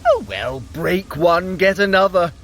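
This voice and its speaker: A man's voice: high-pitched, a little slow, a bit bright, slight background noise. An actor playing a sly, sardonic trickster god in an audio drama, glib and wry, talking his way around things. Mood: breezy bluffing. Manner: smooth-talking, wry, hedging.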